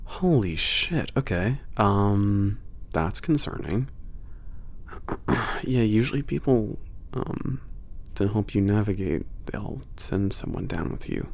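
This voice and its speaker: A man playing a teasing werewolf trainer with a bit of an attitude in an ASMR roleplay, gravelly, casual and hesitant in his banter. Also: on the low side, lively intonation, slow pace, darkish tone, full character voice. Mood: puzzled, concerned. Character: teasing, gruff-edged male werewolf trainer at a spaceport. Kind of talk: ASMR roleplay, naturalistic one-sided conversation.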